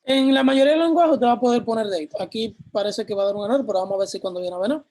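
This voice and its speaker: A man's voice: high voice, racing, darkish tone. A man teaching a programming class, explaining step by step and answering his own questions as he goes. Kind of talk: live class explaining code on screen.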